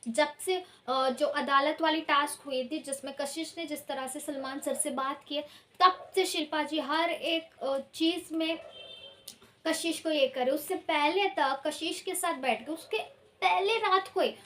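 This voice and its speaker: A woman's voice: high-pitched, measured pace, fairly bright tone. A woman reviewing a reality show in casual commentary, opinionated and often hesitating as she switches between Hindi and English.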